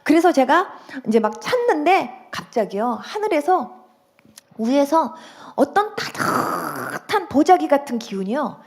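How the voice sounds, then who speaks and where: High, lively-voiced woman pastor giving testimony. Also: a little slow. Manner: emotional, acts out quoted dialogue, pleading cries. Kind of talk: testimony sermon.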